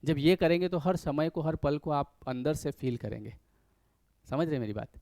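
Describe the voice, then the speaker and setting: Speaking as a life coach, this man offers viewers a relaxed pep talk in a slightly high, expressive voice with a dark tone and moderate pace. There's no room sound, and he chats conversationally while playing out small everyday scenes in different voices.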